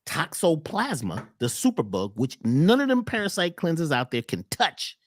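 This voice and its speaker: A man talking as a wellness coach on a talk show, emphatic and repetitive, often jumping high on key words. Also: wildly swooping pitch, normal speed, dry recording, studio quality. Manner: emphatic, repeats phrases, swoops up on key words. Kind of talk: animated talk-show conversation.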